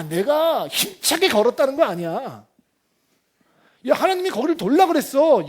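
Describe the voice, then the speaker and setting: A man doing a brash ancient soldier in a sermon skit, crowing about his own strength in a loud, swaggering voice. The voice jumps far above the speaker's own, shrill and very high. It rises and booms as he brags. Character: boastful ancient soldier man bragging of victory.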